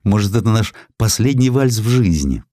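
A man voicing a brisk young female nurse, commanding and playful, in an audio story. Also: fairly low pitch, animated, mellow, no room sound, clean studio sound, voice pushed up, close to an everyday voice. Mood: teasing.

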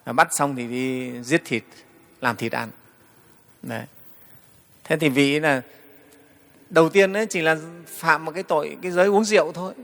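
A man, a Buddhist monk giving a storytelling dharma talk to the assembly, often pausing on "đấy". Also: on the high side, a bit bright, long reverb tail. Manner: storytelling, frequent "đấy" fillers, addresses the assembly.

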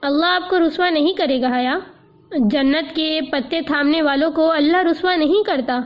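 A composed male army major speaks in a measured, reassuring manner, as a woman reads him. The voice sits high. The recording sounds muffled and lo-fi, as in an audiobook reading. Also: lightly acted. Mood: calm. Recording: dull lo-fi audio.

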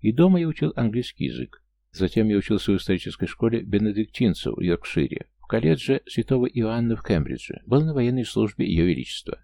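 An audiobook figure: a courteous, mild-tempered English knight telling his family's story in a polite, gentle way, as the narrator voices him. The voice is low and gravelly, dark in tone, and recorded dry and close. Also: sing-song, fast, no room sound, full character voice.

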